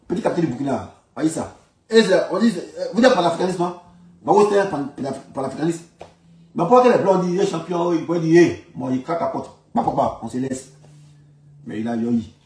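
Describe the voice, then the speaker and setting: Echoey, higher-pitched Ivorian man. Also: a little mellow. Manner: repeats phrases emphatically, colloquial. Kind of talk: informal political commentary. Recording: echoey room, distant from microphone.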